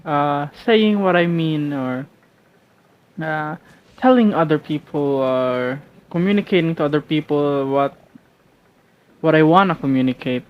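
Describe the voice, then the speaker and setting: Young man from the Philippines, Filipino native speaker, halting, self-correcting, fairly high voice, muffled home mic. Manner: hesitant, self-correcting, many fillers and restarts. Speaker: vlogger. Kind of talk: casual rambling monologue.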